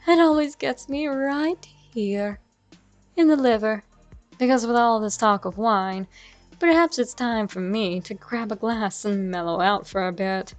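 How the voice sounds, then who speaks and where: A woman reading a classic horror tale aloud in a slow, measured, darkly dramatic way. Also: on the high side. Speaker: horror story narrator. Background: faint music.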